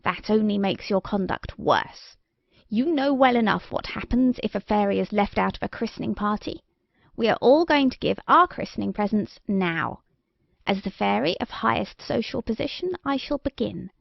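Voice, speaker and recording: A woman voicing the oldest and most wicked female fairy, rude, slow and imperious, in a storybook reading. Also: mid-range voice, animated, creaky, dry recording. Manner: slow, cold and commanding. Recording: dry, slightly dull recording.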